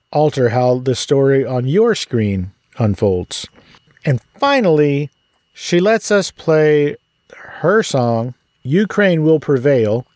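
A man's voice: mid-range voice, darkish tone, no room sound. A man hosting a podcast, introducing his guest in an upbeat, chatty way and asking her questions. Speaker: podcast host. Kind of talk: casual interview.

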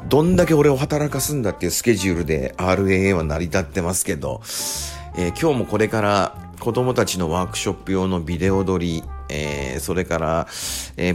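A man hosting a casual radio segment, telling relaxed stories with plenty of fillers. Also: low-pitched. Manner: chatty, relaxed storytelling with many fillers. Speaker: radio host and rakugo storyteller. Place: Japan.

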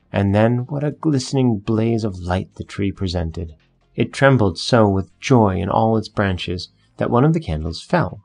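A man narrating a fairy tale in a measured, gentle storytelling manner. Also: lowish voice, creaky.

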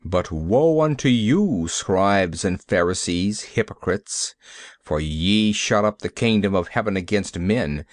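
A man voicing a troubled, stern minister who speaks in a deep, grave preaching cadence. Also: lively intonation, slow, dry recording, studio quality. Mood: denouncing. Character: troubled, stern middle-aged male minister.

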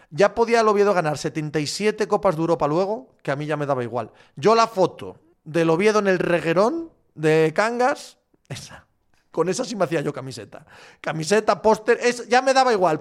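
A sports journalist with an Asturian accent, talking casually as he answers viewer questions. His voice sits high for a man, and he gets animated, swearing and shouting like the fans in the stands. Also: brisk. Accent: Asturian Spanish. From Asturias, Spain. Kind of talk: casual live chat.

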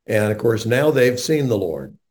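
Earnest older male radio host, mellow tone. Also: mid-range voice, normal speed. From North Carolina, USA. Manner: earnest, animated storyteller.

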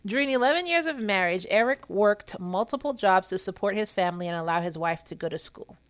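A woman's voice: mid-range voice, lively intonation, brisk. Female podcast host, mid-range voice, casual true-crime storyteller, jaw held a bit tight from a sore cheek. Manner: talking with clenched teeth from a sore cheek.

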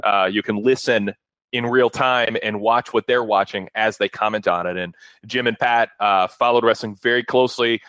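A man hosting a casual talk radio show in a wordy, halting, rambling way. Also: fairly low pitch, fairly even intonation, fairly bright tone, dry recording. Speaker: show host.

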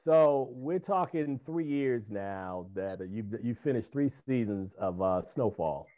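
A man's voice: medium pitch, animated, a little slow, warm tone. A man hosting an interview, asking questions in a friendly, chatty way. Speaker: interview host.

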